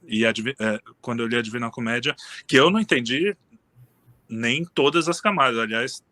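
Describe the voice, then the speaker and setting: Brisk and medium-pitched, this man talks as a guest in a casual interview, recorded dry. He rambles in a relaxed way, with frequent restarts and fillers.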